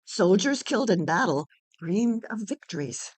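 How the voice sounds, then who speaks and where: A woman's voice: medium pitch, sing-song, normal speed. A woman reading a play's narration as dramatic storytelling. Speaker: narrator and playwright.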